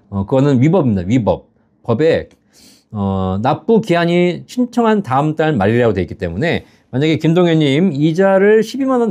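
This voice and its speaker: A man's voice: a little high, dark tone. A man in his fifties hosting a live pension advice stream, reading out viewer questions and answering them in a chatty way, laughing at his own stories and often checking "right?" with the audience. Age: 50s.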